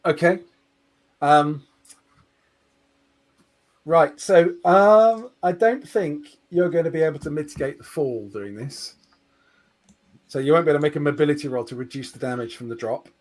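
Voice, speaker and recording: Man game master, slightly high voice. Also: moderate pace, long pauses, darkish tone. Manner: descriptive, with fillers and restarts. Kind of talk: narrating a tabletop horror game.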